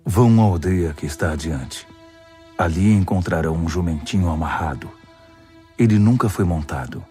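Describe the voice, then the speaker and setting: Bible audiobook master, acted by a male reader: very low voice, calm authority, solemn and instructive. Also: moderate pace, soft background music. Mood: calm command.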